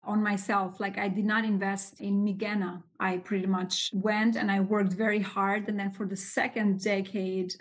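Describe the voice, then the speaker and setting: Woman telling her story. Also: medium pitch. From Albania. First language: Albanian. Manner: expressive, animated storyteller. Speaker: guest, real estate capital raiser. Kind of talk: casual interview storytelling.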